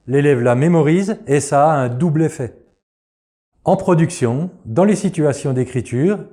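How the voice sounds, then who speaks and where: A man giving a scripted narration for a teaching method presentation, clear and measured. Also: on the high side, warm tone.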